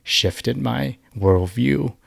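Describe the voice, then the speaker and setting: A young man in his twenties, raised in China and Taiwan, answering questions as a podcast guest in a thoughtful, halting way with many restarts. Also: medium pitch, vocal fry, slightly rough, no room sound, clean studio sound. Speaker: musician guest. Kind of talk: casual podcast interview.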